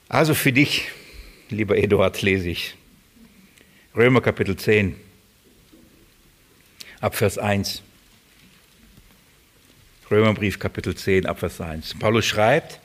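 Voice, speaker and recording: A man's voice: mid-range voice, a bit bright. A man giving a sermon, emphatic and repeating phrases for stress. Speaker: preacher.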